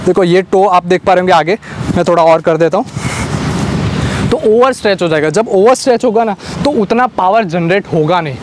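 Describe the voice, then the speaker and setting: A man's voice: high-pitched, noisy background. A young man coaching cricket outdoors in the nets, chatting casually and addressing viewers directly.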